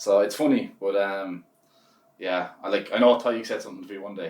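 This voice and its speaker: In a Cork accent, a man speaks at a fairly low pitch with ordinary pitch variation. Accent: Cork Irish. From Ireland, Cork. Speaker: singer, Irish emigrant. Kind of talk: casual interview chat. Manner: relaxed.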